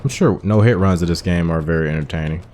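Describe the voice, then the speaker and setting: A man's voice: low-pitched, fast, a little mellow, faint music behind. A man giving casual, off-the-cuff playthrough commentary as the host of a gaming channel.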